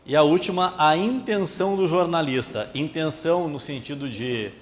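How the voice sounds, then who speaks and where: A man teaching Portuguese for a public exam, speaking warmly and directly to his students. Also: on the high side, normal speed, a little hiss or hum. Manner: friendly, addresses the audience as "pessoal". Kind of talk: exam-prep lesson.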